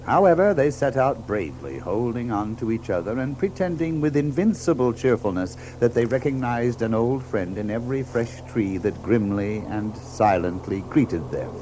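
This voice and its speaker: A man's voice: medium pitch, animated, normal speed, few pauses, warm tone, slight background noise, poor audio. A man narrating a children's story in a dramatic, scripted storybook style. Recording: music behind the narration.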